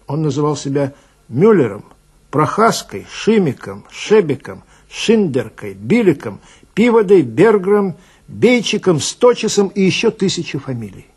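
Man acting a husky, animated police detective raconteur. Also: on the high side, full character voice. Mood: matter-of-fact. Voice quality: gravelly, husky. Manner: confiding, wry, theatrical storytelling with dramatic pauses. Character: chatty, grumbling Czech railway police detective telling his story. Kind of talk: radio reading of a humorous short story.

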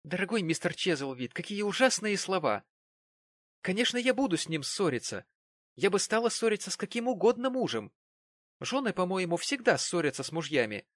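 A man's voice: sits high, very animated, normal speed, a bit bright, dry recording, voice pushed up, heavily acted. A man reading aloud and voicing a willful, teasing young woman who mocks and bosses her suitor. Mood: coy. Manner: mocking, giggly and bossy.

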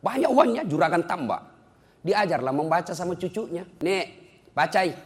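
A man preaching, giving a humorous religious lecture as an animated storyteller who jokes and chuckles often. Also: sits high, a little fast, big-room sound.

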